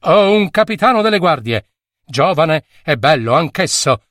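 A man's voice: fairly high pitch, sing-song, moderate pace, fairly bright tone, no room sound, studio quality. A man voicing an imperious, impatient queen in a read-aloud fairy tale, talking in a haughty, emphatic way. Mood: coaxing.

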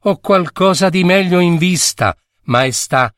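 A man voicing a composed peasant girl in a read-aloud fairy tale, answering in a lowered, polite voice. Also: animated, unhurried, fairly bright tone, dry recording, clean studio sound. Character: calm, self-assured peasant girl.

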